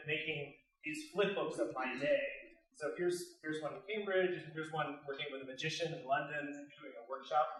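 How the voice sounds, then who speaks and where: Echo from the room can be heard. The man's pitch varies in an ordinary way. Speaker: tech entrepreneur and speaker. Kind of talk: keynote talk to an audience. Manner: fast; hesitant, many fillers.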